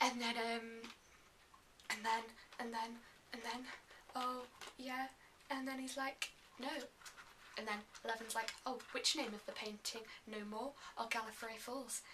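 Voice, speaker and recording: A woman with an English accent speaks at a fairly slow pace and fairly high pitch. Her intonation is monotone and flat, with long, frequent pauses. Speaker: vlogger. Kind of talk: casual chat.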